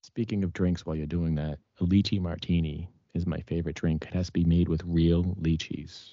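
A man's voice: low voice, flat delivery, a little fast, warm tone, no room sound, muffled recording. A man co-hosting a casual whiskey tasting as a novice, playful and theatrical, fond of grand phrases.

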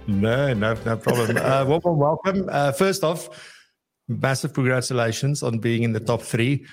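A man hosts a live podcast interview with a gravelly, creaky edge in his voice. He talks with lots of ums and restarts, and faint music sits behind him. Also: medium pitch, lively intonation, normal speed. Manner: hesitant, many fillers and restarts. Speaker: podcast host.

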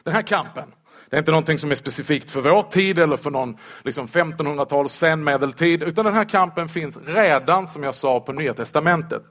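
High-voiced lively Swedish preacher man. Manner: lively, humorous, asks rhetorical questions. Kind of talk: sermon. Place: church.

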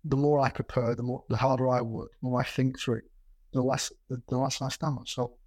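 A middle-aged man speaks with a slightly rough, husky voice and a noticeable stammer, repeating words as he goes. He is a plain-spoken executive answering interview questions conversationally. The sound is dry and close, with no real room to it. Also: mid-range voice, level tone, fairly quick, a little mellow, no echo. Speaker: business executive being interviewed. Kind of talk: reflective conversational interview with anecdotes.

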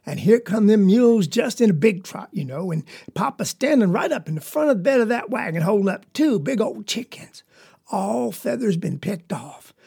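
A man telling the tale as an earnest poor country boy with a rural Southern US accent. He rambles along in a folksy drawl with a gravelly, husky grain to the voice. The tone stays sincere and simple. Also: high-pitched, expressive, moderate pace, warm tone, heavily acted. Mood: eager. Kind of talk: storytelling monologue.

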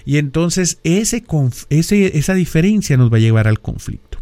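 A man's voice: a little high, sing-song, normal speed, warm tone, dry recording. A middle-aged man from Mexico with a northern Mexican accent hosts a podcast, explaining ideas in a lecturing way and often throwing in rhetorical questions. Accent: Mexican (northern, Monterrey). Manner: lecturing, peppered with rhetorical questions and tag "¿verdad?". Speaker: podcast host.

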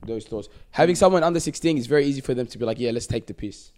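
A man's voice: medium pitch, lively intonation, very fast, a little mellow. A young man in a casual group chat, slangy and cutting in over others.

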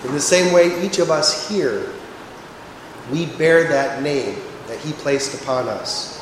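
A man's voice: a little high, takes it slowly. A man speaking as a pastor at a church service, struggling with his voice as he addresses the congregation. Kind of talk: sermon. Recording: echoey hall with long reverb, clear noise.

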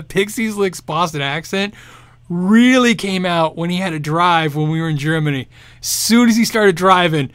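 A man's voice: a little high, sharp tone, clear, resonant tone, dry recording. A man hosting a guitar show, chatting casually and answering viewer questions, rambling and restarting sentences and laughing often. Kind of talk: casual live chat.

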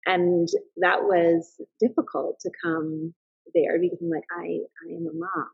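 A woman's voice: lowish voice, sing-song, measured pace, gravelly, husky, no echo. A woman in her thirties, a mother and business owner, speaking as a podcast guest in a thoughtful, earnest way, often restarting her sentences. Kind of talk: casual reflective interview talk. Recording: slightly dull, lo-fi sound.

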